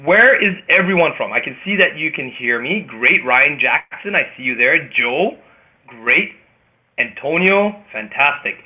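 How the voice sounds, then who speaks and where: A man with a Canadian accent hosting a motivational group conference call, speaking emphatically and theatrically with dramatic pauses. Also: on the high side, lively intonation, husky. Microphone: phone or web conference call. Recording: tinny phone-line radio sound.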